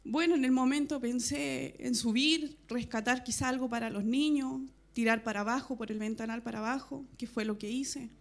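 A woman quietly and earnestly recounts her experience at a church meeting. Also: on the high side, steady tone, normal speed, gravelly, hardly any pauses. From Chile. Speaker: church member giving testimony. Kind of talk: personal church testimony.

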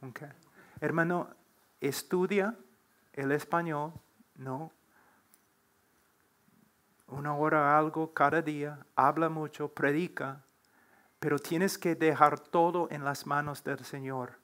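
A middle-aged man speaks slowly and deliberately, his voice sitting a little high. He talks like a preacher, earnest and pressing, and he is seated on a church platform. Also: steady tone, fairly bright tone. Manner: slow, earnest, preacherly, building to emphatic exhortation. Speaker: guest preacher on a panel. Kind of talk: answering questions on a church panel. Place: church platform, seated before a large wooden cross.

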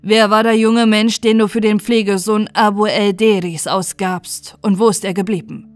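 A woman's voice: mid-range voice, steady tone, moderate pace, no room sound, soft background music, close to an everyday voice. A woman voicing a stern male grand vizier who firmly accuses a servant, in a fairy tale audiobook. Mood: accusing. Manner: firm, accusing, emphatic.

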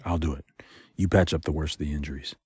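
An actor playing a protective, defiant yet tender male spy in an intimate audio drama, with a husky voice. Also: a bass voice, steady tone, quick pace, dry recording, clean studio sound, full character voice. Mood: grim.

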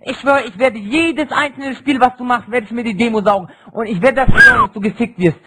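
A man's voice: very high voice, wildly swooping pitch, a little fast, bright, forceful tone, husky. A young man in a berserk rage, screaming insults and threats in a heated online voice-chat argument. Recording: noisy, clipping gaming voice chat.

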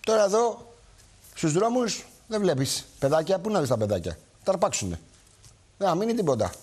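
A man's voice: high-pitched, sing-song, darkish tone, slightly rough. A man hosting a live television talk show, speaking emphatically to viewers and repeating his points.

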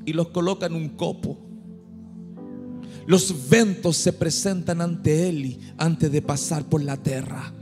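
A middle-aged man from Chile with a Chilean Spanish accent, preaching a humorous sermon into a handheld mic on a church stage and urging the crowd to shout. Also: extremely high pitch. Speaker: guest pastor. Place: large dark church stage. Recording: long hall reverb with music behind.

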